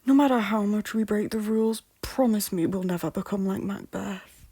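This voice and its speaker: A woman playing an anxious, loyal young prince in an audio drama, earnest and breathy, moving between hushed and urgent. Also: mid-range voice, normal speed. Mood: wistful. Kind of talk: intimate audio drama acting.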